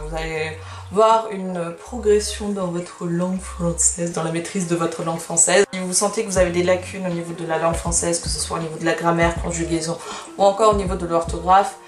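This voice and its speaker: Young non-native French speaker, echoey room, woman. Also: fairly low pitch. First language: not French. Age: early 20s. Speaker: student vlogger giving study advice. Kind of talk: casual advice to camera.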